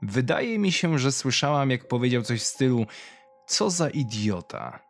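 A man's voice: mid-range voice, animated, a little slow. A man voicing a cold young woman killer who recounts her past in a confessional, menacing way in a horror story. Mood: brooding, haunted. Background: music.

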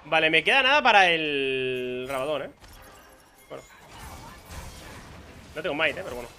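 A man's voice: fairly high pitch, expressive, normal speed, sharp tone, smooth. A young man with a Spain Spanish accent giving casual live commentary on his own gameplay, muttering to himself and exclaiming when surprised. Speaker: gaming streamer.

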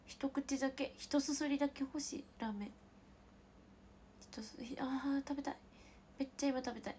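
Woman, Kansai accent, bright high voice, giggly, whispered asides, casual livestream chat, faint background noise. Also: fairly even intonation, moderate pace. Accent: Kansai Japanese. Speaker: idol livestream host.

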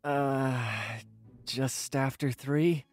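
A man acting as an evasive boyfriend in an audio drama. His voice is hushed and halting, with music underneath. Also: medium pitch, flat delivery. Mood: evasive, placating. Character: evasive boyfriend creeping home late at night.

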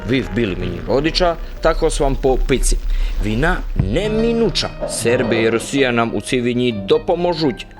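An actor playing a good-natured, simple-minded soldier who rambles naively and confidently in a radio play. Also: male voice, medium pitch, big pitch swings, moderate pace, lightly acted. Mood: confident, excited. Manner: rambling, naive tavern philosophizing with confident pronouncements. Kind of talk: radio play character acting. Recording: music under the voice.

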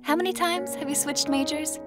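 A woman's voice: sits high, fairly even intonation, fairly quick, music in the background, close to an everyday voice. A young woman playing a tired, reserved student who works late, speaking in a subdued, polite, hesitant way in an audio drama. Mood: weary, unsure. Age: young adult.

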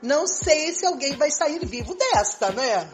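A woman's voice: sits high, lively intonation, unhurried, soft background music. An older woman playing a possessive, wry lover in an amateur radio soap opera, coaxing as she talks.

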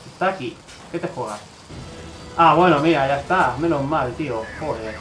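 A man from giving casual commentary over his own gameplay, swearing a lot and breaking into loud outbursts. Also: fairly high pitch, moderate pace, echoey room, soft background music, low-quality recording. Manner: swears often, bursts into excited outbursts.

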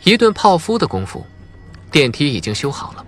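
A man's voice: on the high side, huge pitch swings, fairly quick, fairly bright tone. A man narrating a suspense novel as a dramatic scripted audiobook. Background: faint music.

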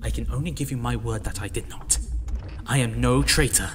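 An actor playing a cautious, defensive Imperial captain, earnest and careful, in an audio drama. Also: male voice, mid-range voice, normal speed, a crowd in the background, natural voice.

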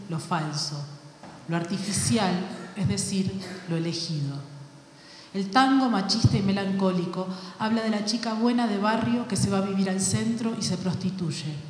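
A woman reads a literary essay to a panel audience. She takes her time and pauses on chosen words. The recording is very echoey, with a long hall reverb and faint background noise. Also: medium pitch, a little mellow. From Argentina. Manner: measured, literary delivery with deliberate pauses. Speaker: panelist, actress and playwright. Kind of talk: reading a prepared essay aloud. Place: large hall at a panel event.

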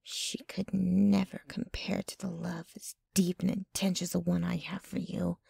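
A woman playing a possessive, jealous young girlfriend in an intimate ASMR roleplay, sweetly menacing, with a breathy voice that often drops to a whisper and a cooing, clinging manner. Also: fairly low pitch, flat delivery, mellow, dry recording, exaggerated voice. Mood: bitter, intense. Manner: slow, cooing, clinging to the listener.

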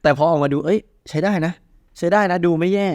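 A man hosting a movie news show in casual chat, blunt, slangy and excitable. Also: high-pitched, quick pace, no room sound, studio quality.

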